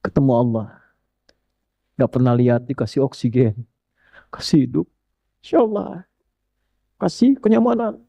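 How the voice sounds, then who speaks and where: A man preaching a sermon, telling a story with lively swings of pitch and asking the audience questions. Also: normal speed, vocal fry, pauses often, dry recording, highs cut off.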